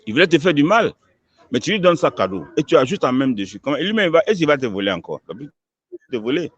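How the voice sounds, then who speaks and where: Animated imam with a lively voice. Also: male voice, fairly high pitch, quick pace, slightly rough. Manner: emphatic, animated, repeats words as he builds a point. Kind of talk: interview answer, preaching. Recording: dull lo-fi recording.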